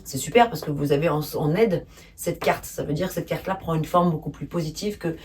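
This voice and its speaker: A woman with a low voice talks through a tarot reading in a calm, gentle, spontaneous way, pausing often on fillers. She sits a little away from the mic, and a faint hiss runs under her voice. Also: far from the mic. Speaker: tarot reader.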